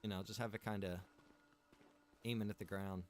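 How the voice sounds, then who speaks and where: A man's voice: deep voice, normal speed. A man streaming a survival game, chatting casually and rambling to his viewers while he plays. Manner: relaxed, rambling, greets chat viewers by name.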